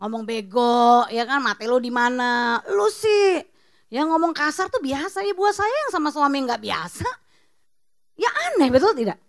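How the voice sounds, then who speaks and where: A woman pastor giving a lively, conversational sermon full of rhetorical questions and casual slang. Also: sits high, moderate pace. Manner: teasing, slips into casual slang.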